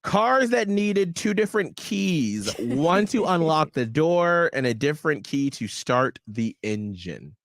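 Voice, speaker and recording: A man's voice: a little high, unhurried, few pauses, no echo, studio quality. A man in his thirties co-hosting a radio show, chatting playfully and teasing his co-host. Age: 30s. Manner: playful, teasing, lively delivery. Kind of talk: casual chat.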